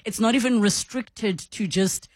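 A woman's voice: medium pitch, a little slow, a little mellow, no room sound, studio quality. A woman hosting a radio interview, effusive, playful and teasing with her guest. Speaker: radio host. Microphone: studio microphone.

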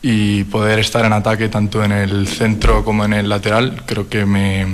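A man's voice: fairly low pitch, little pitch movement, moderate pace. A young man from Madrid, a handball player, answering interview questions earnestly, often repeating words as he thinks. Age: young adult.

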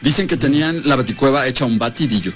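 A man's voice: medium pitch, lively intonation, quick pace, fairly bright tone. A man, a radio show regular telling comic stories with crude punchlines.

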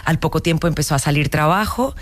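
A Colombian actress in her forties tells her story casually in an interview, speaking in Colombian Spanish with a deep voice. She talks fast and with liveliness, often restarting sentences and rattling off long lists.

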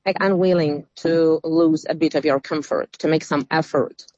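A woman's voice: low voice, steady tone, moderate pace, a little mellow, dry recording. A woman from Ukraine, a guest commentator, arguing in non-native English with loose grammar. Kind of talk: heated debate argument. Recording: dull remote line.

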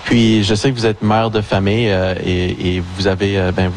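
A man working as a radio field reporter, asking live interview questions with halting, stumbling phrasing. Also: fairly low pitch, steady tone, background noise.

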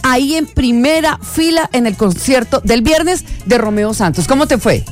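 A woman's voice: high voice, animated, moderate pace, soft background music. A Colombian woman hosting morning radio, chatting playfully with co-hosts and drawing out her words. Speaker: radio show host. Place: radio studio.

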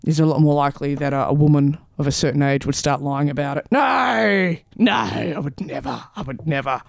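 A woman's voice: sits low, normal speed, gravelly, no echo, studio quality. A woman in her thirties with an Australian accent, hosting community radio in a playful, self-mocking way. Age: 30s. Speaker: radio host. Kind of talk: community radio chat and weather read. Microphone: studio microphone.

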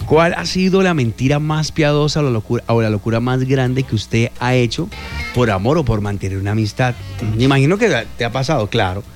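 A man's voice: mid-range voice, a little fast, soft background music. A man hosting a casual morning radio show, reading out listener messages in an upbeat way. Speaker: radio host.

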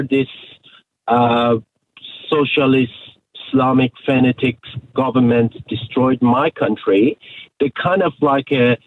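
A man originally from Iran calling in to talk radio, speaking earnestly and haltingly with many fillers. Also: medium pitch, slight background noise. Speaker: caller. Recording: tinny phone line.

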